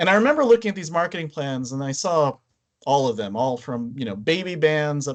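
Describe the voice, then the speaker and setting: A man's fairly high voice, very fast in pace, with lively intonation. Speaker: music web marketing consultant. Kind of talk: interview answers.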